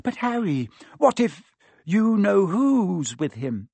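A man's voice: high-pitched, big pitch swings, takes it slowly, creaky, a little mellow, husky, dry recording, pitched above the performer's own voice, exaggerated voice. A man voicing a clever, bookish young girl with an earnest, precise and emphatic way of talking, as in a storybook. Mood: anxious, emotional.

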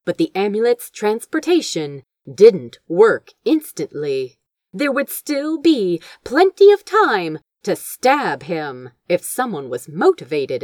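A woman's voice: medium pitch, no room sound, clean studio sound. A woman reading fiction aloud as dramatic, theatrical narration. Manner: expressive, theatrical storytelling. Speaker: audiobook reader of fan fiction.

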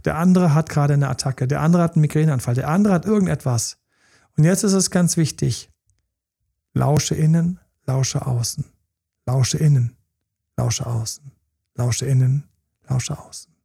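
Gravelly husky man coaching on relationships. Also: a little high, warm tone. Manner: acts out partners' quoted pleas, drops to whispers. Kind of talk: casual podcast talk.

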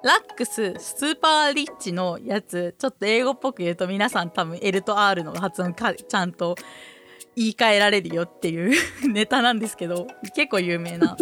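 A woman hosting a podcast in casual chat, chatty and quick to laugh, with lots of back-channel replies. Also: medium pitch, a bit bright, faint music behind. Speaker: podcast host.

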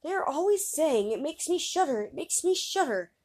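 A woman's voice: sits high, sing-song, moderate pace, a little mellow, voice pushed up. A woman voicing a fearless, simple-minded young man who talks bluntly and earnestly.

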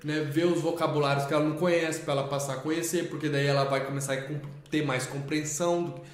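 A man's voice: fairly high pitch, steady tone, fast talker. A Brazilian man and father of six, explaining patiently in casual talk and checking in with tag questions. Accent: Brazilian Portuguese. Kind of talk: casual conversation. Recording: very echoey room.

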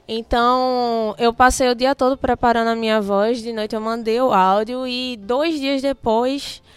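A young woman guest in a casual interview, telling her story in an animated way and quoting her own thoughts. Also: on the high side, moderate pace, smooth, no room sound. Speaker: guest, youth delegate.

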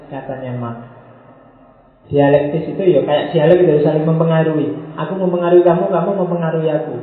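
A man giving an informal philosophy lesson, explaining casually and teasingly with slow, emphatic stretches. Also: fairly high pitch. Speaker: philosophy teacher. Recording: very echoey, phone-like lo-fi room.

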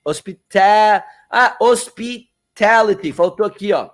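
On a live stream, a man teaches English in a chatty, coaxing way, slowly repeating words to model pronunciation and calling out viewers by name. His voice sits high.

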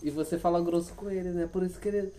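A woman's voice: fairly low pitch, steady tone, fast, mellow, a little hiss or hum. A young woman chatting playfully with friends, teasing and laughing often. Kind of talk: casual chat among friends.

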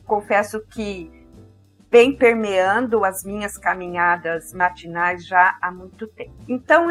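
An older woman with a caipira accent from interior São Paulo speaks reflectively about herself in conversation, pausing thoughtfully to search for her words. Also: mid-range voice. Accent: caipira accent of interior São Paulo, with a strong R. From interior of São Paulo state, Brazil. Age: 50s or older. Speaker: interview guest.

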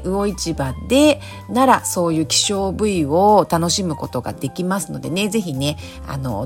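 As host of a talk show set around a snack bar, a woman chats casually and politely by herself, leaning on softening particles. Her voice sits low and is hoarse and raspy because she drank the night before.

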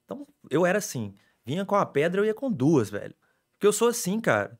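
Fast-talking animated man. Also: high voice. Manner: animated storytelling, excitable. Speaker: sports reporter. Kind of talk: casual podcast chat.

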